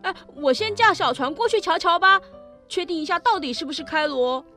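A woman's voice: high voice, expressive, normal speed, fairly bright tone, soft background music, pitched above the performer's own voice. A woman voicing an anxious young boy who is torn by guilt, in a children's storybook reading, hesitant and stammering. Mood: nervous. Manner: hesitant, stammering, worried inner voice.

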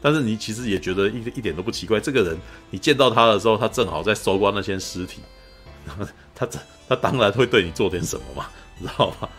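A man hosting a podcast, retelling a film in animated casual chat and often asking his listeners whether they follow. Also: fairly low pitch, fast, faint music behind. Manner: animated storyteller, keeps asking "you know?". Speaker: podcast host.

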